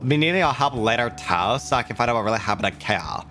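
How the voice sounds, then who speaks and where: A man's voice: medium pitch, expressive, quick pace, sharp tone, faint music behind. Guy doing a boozy tough lady reporter, tipsy drawl, voice swings up and down a lot. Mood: determined. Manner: reads lines aloud, tipsy drawl. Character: brash hard-drinking female journalist. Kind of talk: reading game dialogue aloud.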